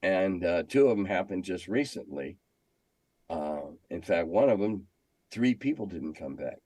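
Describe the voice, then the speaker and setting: Older guy w a lowish voice, chatty salty storyteller, game master type, super dry sound no room echo. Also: animated, a little slow, darkish tone. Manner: talkative, salty raconteur with dry humor. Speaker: guest, veteran game master. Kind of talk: casual storytelling interview.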